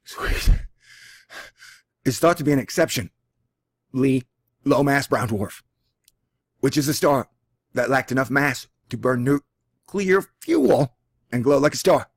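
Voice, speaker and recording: A man's voice: mid-range voice, lively intonation, slow, long pauses, slightly rough, no echo. A man with a Texan accent hosting a casual one-take vlog, reading a science article aloud with jokey, self-deprecating asides. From Texas. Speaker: channel host. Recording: dry, close lo-fi home recording.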